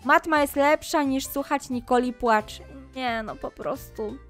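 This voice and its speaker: With faint music behind her, a woman speaks in a high, unhurried, slightly bright voice. As a Roblox YouTuber role-playing a mom who scolds her kids, she comments on the gameplay and talks straight to her viewers.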